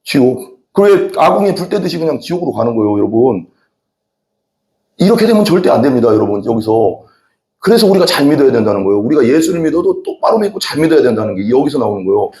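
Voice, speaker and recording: A man's voice: mid-range voice, sing-song, quick pace, mellow. A middle-aged man preaching a sermon as a pastor, telling rambling folksy stories from the pulpit. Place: church sanctuary. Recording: echoey church hall.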